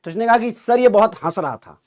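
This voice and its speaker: A man with a high voice tells an animated story to his class. He acts out the dialogue with lively drama. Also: fairly quick. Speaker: teacher telling a story to students.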